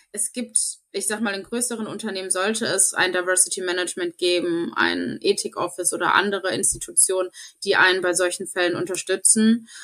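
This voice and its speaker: A woman's normal speaking voice at a medium pitch, fairly quick and fairly even in intonation. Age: 20s. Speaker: diversity management worker and student. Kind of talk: interview.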